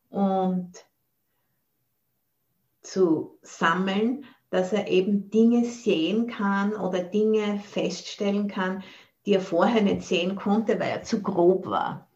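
An Austrian woman teaches meditation in a calm dharma talk, reflective and often pausing to search for her words. Her voice sits at an ordinary middle pitch. The recording sounds dull and lo-fi. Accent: Austrian German.

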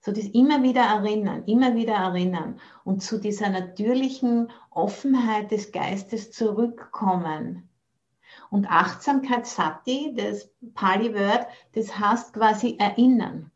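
The audio is dull as a woman from Austria, a Buddhist nun teacher, gives a dharma talk on a video call. Her mid-range voice runs a little slow, and she speaks thoughtfully, searching for words and using English phrases here and there.

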